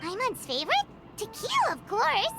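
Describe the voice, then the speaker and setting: A woman voicing a tiny, excitable female fairy companion who talks about herself in the third person, in a game. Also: extremely high pitch, moderate pace, creaky, heavily acted. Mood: chirpy. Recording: game audio with loud music.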